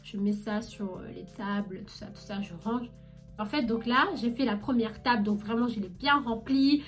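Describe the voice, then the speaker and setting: A young woman with a fairly high voice tells a story in a casual vlog. She is chatty and animated, talking straight to her viewers. Soft music plays faintly behind her. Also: moderate pace. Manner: chatty and animated, addresses viewers directly with many fillers. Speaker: vlogger recounting her job as a shop saleswoman.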